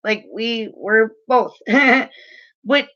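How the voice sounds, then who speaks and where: Woman, late 30s, spiritual reader, chatty and earnest, crisp bright tone, a bit muffled. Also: fairly high pitch, extremely slow. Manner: chatty, filler-heavy, earnest and frank. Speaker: spiritual reader and energy healer. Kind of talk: casual spiritual advice talk to camera.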